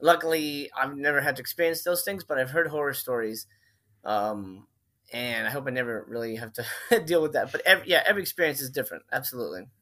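Man in his 40s, from Miami, bright forceful tone, rambling casual interview talk. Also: medium pitch, quick pace. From Miami, Florida. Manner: rambling, self-correcting storyteller. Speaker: filmmaker guest.

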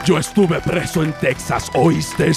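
A man voicing a gruff male action-movie cyborg who served time in prison, growling menacing threats and repeating a tag question. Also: a little high, takes it slowly, over music, crowd noise. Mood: threatening.

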